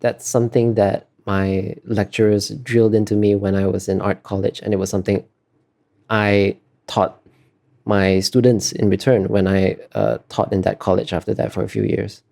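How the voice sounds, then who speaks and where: A man's voice: on the low side, level tone, moderate pace, gravelly, warm tone. A man being interviewed as an artist, talking casually and explaining in a hesitant, self-correcting way.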